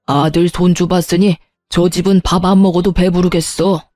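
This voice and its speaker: Woman voicing a middle-aged mother-in-law, scolding, sarcastic, mellow dark voice, dry sound. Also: on the low side, little pitch movement, moderate pace, no room sound, soft background music, natural voice. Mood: scornful.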